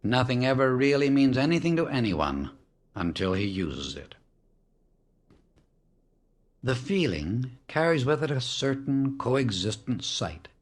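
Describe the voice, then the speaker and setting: A man reading a spiritual audiobook as scripted narration, in a solemn, measured, declarative way. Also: mid-range voice, animated.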